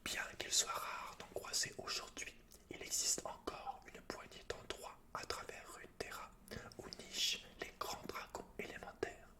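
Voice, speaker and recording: A man hosts an ASMR gaming video entirely in a whisper. His delivery is breathy and unvoiced, with a soft, informal intimacy, as if addressing one listener directly. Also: moderate pace. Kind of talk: whispered ASMR, chatting and reading game lore aloud.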